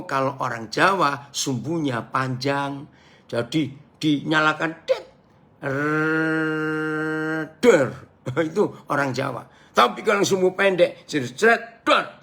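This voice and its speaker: A man preaching a sermon as a pastor, animated and talking straight to his listeners with frequent questions. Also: on the high side, creaky. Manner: animated, acts out shouted quotes; addresses listeners directly, asks questions.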